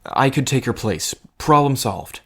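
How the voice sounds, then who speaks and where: A man's voice: medium pitch, lively intonation, unhurried, fairly bright tone, breathy edge, exaggerated voice. A man acting in an audio drama as a protective, wry cousin in a gambling scheme, talking in an earnest, conversational way. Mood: firm, persuasive. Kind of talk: scripted audio drama acting, addressed to the listener.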